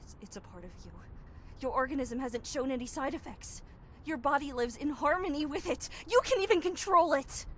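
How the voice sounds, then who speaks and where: Game role, loyal young friend: high voice, urgent, protective, faint background noise. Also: female voice, animated, a little fast, a bit bright. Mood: grave, warning. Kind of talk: dramatic video game acting.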